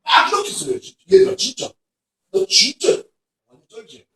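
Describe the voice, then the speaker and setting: 남자 목사가 학생들에게 생생한 이야기를 섞어 가며 부흥회 설교를 하고, 중간중간 힘주어 외치듯 강조합니다. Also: male voice, very high-pitched, normal speed. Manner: animated storytelling with emphatic outbursts. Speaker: pastor. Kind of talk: revival sermon to students. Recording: echoey hall from far off.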